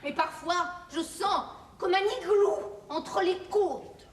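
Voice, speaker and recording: A woman's voice: very high voice, fairly even intonation, fairly quick, a bit bright. An actress playing a rich man's long-suffering wife, dry and needling, in a televised 1970s stage comedy. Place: theatre stage. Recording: roomy stage recording.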